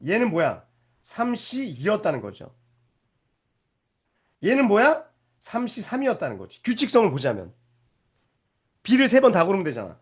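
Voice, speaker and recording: A male math teacher giving a lively lecture, explaining step by step and often stopping to ask whether the students are following. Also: high-pitched, normal speed, pauses often, husky. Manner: animated, keeps checking if students follow; explains step by step with rhetorical questions.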